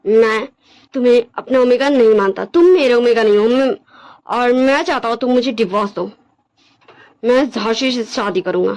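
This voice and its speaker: A woman's voice: a little high, moderate pace, dull audio, natural voice. A woman voicing a cold young man who curtly demands a divorce and brushes his partner off. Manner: curt and flat, demanding. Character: cold, dismissive young male alpha husband.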